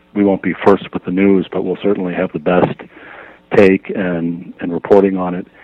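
Over noticeable background noise, a man with an American accent speaks at a moderate pace in a very deep, low voice. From Minnesota. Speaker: sportswriter. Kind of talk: interview.

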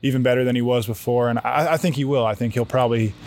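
Over noticeable background noise, a man with an American accent talks at a medium pitch with fairly even intonation. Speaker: professional basketball player. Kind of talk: casual interview.

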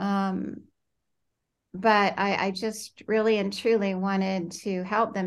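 Her intonation stays monotone and flat. The woman has an American accent. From Washington, D.C. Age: 60s. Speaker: childhood trauma expert. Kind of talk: interview.

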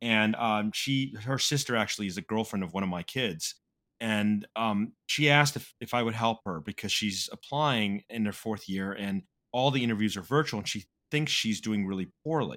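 This man speaks at a moderate pace in a fairly low pitch, his tone bright and sharp, with ordinary pitch variation and a dry, close sound with no echo. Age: old. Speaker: neurosurgeon, residency program faculty. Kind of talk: casual chat. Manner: halting, many fillers.

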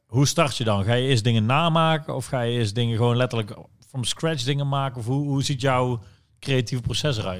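A man in a strong Brabant accent, medium-pitched, at a fairly quick pace with ordinary pitch variation, in a very clean recording with a silent background. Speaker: podcast host. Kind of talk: casual chat.

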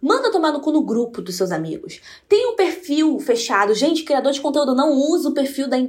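The woman's voice is high in pitch. She speaks at a moderate pace. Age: 20s. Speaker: financial educator and content creator. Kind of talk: casual interview.

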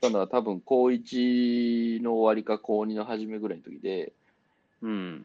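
A man speaks at a fairly slow pace with a medium pitch. It is a plain, everyday voice over a quiet background. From Tokyo, outer 23 wards. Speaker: podcast co-host. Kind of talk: casual chat.

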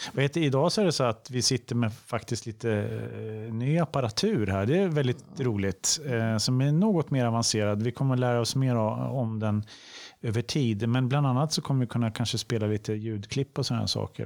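An unremarkable speaking voice moves at a moderate pace with ordinary pitch variation, on a very clean recording with a silent background. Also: man, medium pitch for a man. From Sweden, Gävle. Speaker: orchestra musician, podcast co-host. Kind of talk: casual chat.

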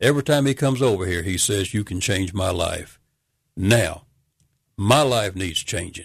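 A man in a Southern US accent, somewhat breathy, with ordinary pitch variation against a quiet background. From Memphis, Tennessee. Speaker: evangelist. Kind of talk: radio interview. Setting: studio.

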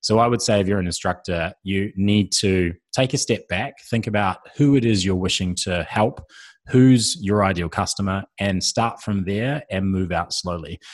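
A man with a New Zealand accent and a fairly low pitch, ordinary pitch variation, on a very clean recording with a silent background. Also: moderate pace. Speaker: fitness instructor trainer and entrepreneur. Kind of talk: interview.

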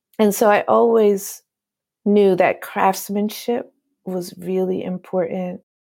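The recording is very clean, with a silent background. A woman with a New Jersey accent speaks at a very slow pace. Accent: American, New Jersey. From US, New Jersey. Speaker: textile artist. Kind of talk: interview.

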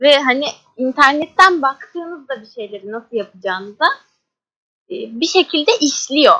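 A woman projects her high, bright, sharp voice at a moderate pace, with very wide pitch swings and big swings in loudness. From Turkey. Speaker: student. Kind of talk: casual chat.

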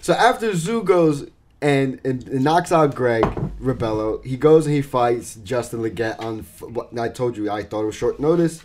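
An animated male voice with lively intonation, over noticeable background noise. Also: medium pitch for a man, moderate pace. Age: 30s. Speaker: podcast co-host. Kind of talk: casual chat.

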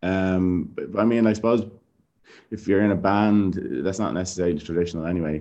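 A man with an Irish accent speaks in a very deep, low pitch with fairly even intonation. His pace is fairly quick, yet long, frequent pauses break it up. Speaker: folk singer and musician. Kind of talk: casual interview. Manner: relaxed, filler-heavy speech.

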